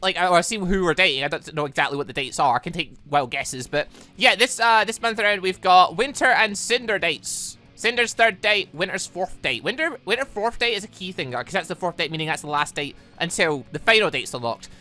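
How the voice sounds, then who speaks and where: A man's voice: sits high, lively intonation, brisk, hardly any pauses, pushed and bright, faint music behind. A man giving casual, rambling, exclamatory let's play commentary as a gaming host.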